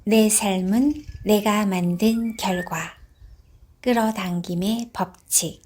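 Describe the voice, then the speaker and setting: A woman reading a book aloud as narrator in a soft, hushed, gentle voice that turns whispery at moments. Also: mid-range voice.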